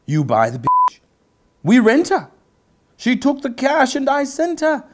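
A pompous lord acted out by a man delivers a comic dramatic reading in grand literary style. His pitch leaps and dips dramatically, and he lingers slowly over his phrases with theatrical pauses. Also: huge pitch swings, noisy background, heavily acted. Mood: theatrical, emphatic. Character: pompous aristocratic gentleman host, reciting rap lyrics theatrically. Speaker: comedy show host. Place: book-lined indoor study set, seated.

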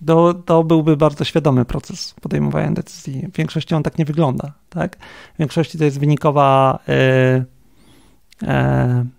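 A man with a higher, gravelly, creaky voice, thinking aloud in a frank, wry interview, peppering his points with fillers and tag questions. Dry recording with no room sound. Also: steady tone, measured pace, darkish tone, dry recording. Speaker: guest, company CTO. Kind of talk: casual interview conversation.

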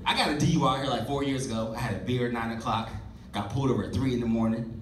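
A man in his thirties doing a stand-up comedy set on a club stage with a handheld mic, loud and animated with profane punchlines. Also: medium pitch, very fast, recorded from a distance, slight background noise. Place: comedy club stage before a live audience. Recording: roomy club audio, loud crowd laughter.

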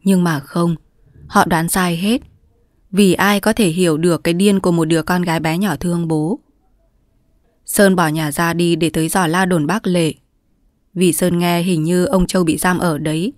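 A woman reading a short story aloud in a measured, even storytelling voice. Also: lowish voice, no echo, clean studio sound. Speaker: story narrator. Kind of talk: audiobook narration.

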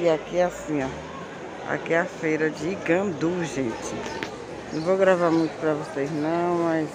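Female market vlogger, Bahian accent, slow and repetitive short call-outs, handheld phone with clear outdoor noise. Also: low voice. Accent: Bahian Brazilian. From Bahia, Brazil. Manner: repetitive, pointing things out with short exclamations. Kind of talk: casual handheld market tour. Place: street and large open-sided covered market. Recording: noisy outdoor street and market ambience.

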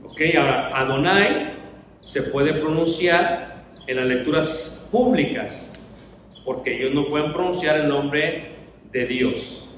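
A man's voice: fairly high pitch, slow, a bit bright, slight background noise. Echoey preacher man teaching the Bible. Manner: asks the congregation questions and answers them. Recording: echoey hall, mic far off.

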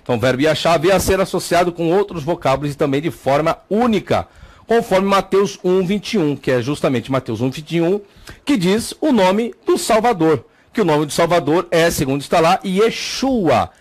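Brazilian male theology teacher, emphatic lecturer, higher voice with animated pitch. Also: brisk. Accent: Brazilian Portuguese. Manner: emphatic, repeats key words, points at screen. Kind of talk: classroom lecture with slides.

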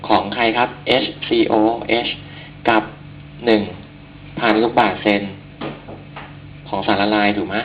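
A man's voice: fairly low pitch, steady tone, unhurried, long pauses. A young man teaching chemistry in a chatty, informal, encouraging classroom manner. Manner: chatty, informal, encouraging, calls himself big brother to students. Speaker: chemistry tutor. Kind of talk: casual classroom lecture. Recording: dull lo-fi classroom recording with faint hum.

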